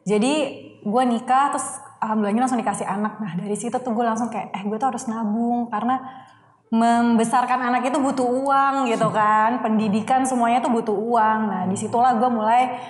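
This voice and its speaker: Higher-voiced young woman. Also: fairly even intonation, a little fast. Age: 20s. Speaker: homemaker and online shop owner. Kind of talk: casual group chat. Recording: echoey room with long reverb.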